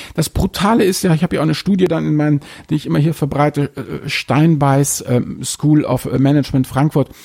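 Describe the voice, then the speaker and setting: A man with a fairly high pitch and a dark, mellow tone speaks at a fairly quick pace with fairly even intonation and very even loudness. The sound is dry and close, with no echo. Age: 50s. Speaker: personal finance blogger. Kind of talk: casual interview.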